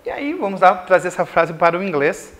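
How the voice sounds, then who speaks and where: Brazilian male teacher explaining slowly. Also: high voice, sing-song, a bit bright. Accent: Brazilian Portuguese. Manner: explains slowly, repeating examples and asking "certo?". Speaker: English teacher. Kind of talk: recorded school lesson.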